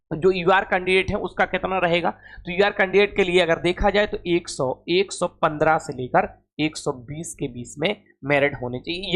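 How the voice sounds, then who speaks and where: A man's voice: high-pitched, a bit bright. A man teaching an informal exam coaching lesson, repeating phrases and figures for emphasis and addressing students in a familiar way. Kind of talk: informal lesson, explaining exam cut-offs.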